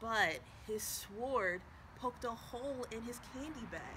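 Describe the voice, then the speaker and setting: A woman talks, and light background noise can be heard. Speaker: storyteller. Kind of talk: children's story read-aloud. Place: street.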